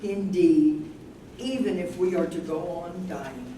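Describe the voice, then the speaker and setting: A woman's voice: fairly low pitch, takes it slowly, over a noisy crowd. A woman in a staged reading, playing a devoted, plaintive elderly wife who has Alzheimer's, with earnest delivery. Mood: earnest, resolute. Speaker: stage reader. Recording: echoey room, far from mic, background noise.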